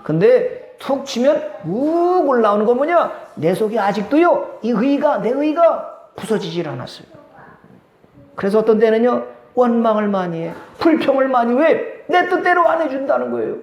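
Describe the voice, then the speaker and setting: A high-pitched man preaches from the pulpit in a lively, conversational way. He keeps turning to the congregation with questions. The sound is roomy, with the echo of a church hall. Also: moderate pace. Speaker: pastor. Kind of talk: sermon. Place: church sanctuary.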